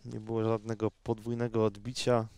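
Smooth-voiced male tennis commentator. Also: on the low side, level tone, normal speed, a little mellow, dry recording. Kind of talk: live sports commentary, unhurried and conversational.

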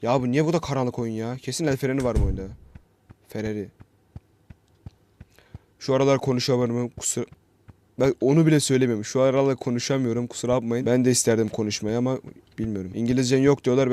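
A man's voice: medium pitch, fairly even intonation, quick pace, mellow, dry recording. A young man casually commenting while playing a horror game, rambling, swearing and joking at himself. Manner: rambling, swears freely, self-mocking jokes. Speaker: gaming YouTuber. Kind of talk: casual let's-play commentary.

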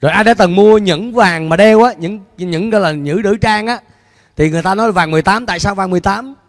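A middle-aged man preaching a sermon as pastor on a church stage with a handheld mic, animated and putting questions to the congregation. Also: high voice, fast. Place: church stage before a large screen, indoors. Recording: long hall reverb in a large church.

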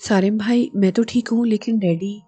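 A woman's voice: mid-range voice, fairly even intonation, moderate pace, mellow, breathy edge, soft background music, natural voice. A woman voicing an anxious younger brother on a phone call, with pleading, earnest delivery.

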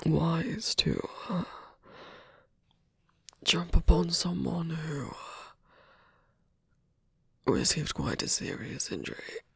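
A man playing a wounded, gentlemanly villain in love in an intimate ASMR roleplay, breathy and husky, often whispering, with a hesitant, polite, weakened delivery. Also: a little high, no room sound, studio quality, heavily acted. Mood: dazed, wry. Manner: hesitant, halting, polite and formal.

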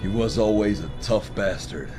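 An actor playing a tough, businesslike army lieutenant. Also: male voice, lowish voice, moderate pace, over music, natural voice. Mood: brisk, commanding. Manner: businesslike, commanding.

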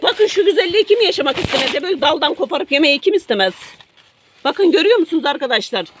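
A woman's voice: high voice, lively intonation, fast talker, fairly bright tone, slight background noise. A middle-aged woman vlogging from her garden to her followers, talking emotionally, first indignant, then apologetic, often repeating herself. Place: garden by a road near woods.

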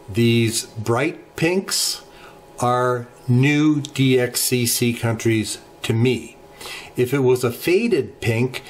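A middle-aged man hosting a ham radio channel, walking through software settings in an unhurried tutorial with many filler pauses, recorded at a desk in his home radio room. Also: mid-range voice, a little hiss or hum. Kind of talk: screen-share software tutorial. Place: home radio shack, indoors.

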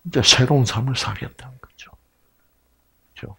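An older man giving a health lecture on stage in a large lecture hall. He is animated and swings between exclamations and hushed asides. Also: medium pitch, normal speed, gravelly, a little hiss or hum.

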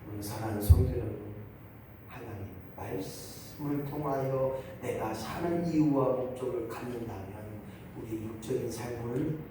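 A man preaching a sermon as pastor, animated, acting out congregants in high mocking voices. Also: moderate pace, noisy background. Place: church sanctuary. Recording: very echoey church from far off.

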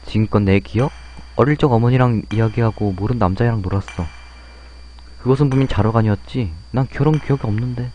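A man's voice: mid-range voice, fast, mellow, a little hiss or hum. A man playing a game and thinking aloud in casual commentary. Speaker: game player.

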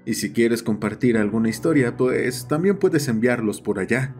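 A man's voice: medium pitch, animated, moderate pace, darkish tone. A man narrating a scripted horror story as the host of the channel. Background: background music.

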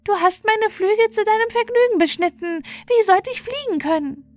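A woman voicing a small, reproachful bird in a fairy tale, with a high, thin voice. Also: moderate pace. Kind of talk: fairy tale character reading.

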